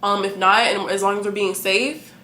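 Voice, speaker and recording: Bright-voiced young woman, casual and candid. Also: mid-range voice, normal speed, roomy sound, slight background noise. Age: 20s. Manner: animated, candid, laughing, profane. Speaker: vlogger. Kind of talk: casual chat to camera.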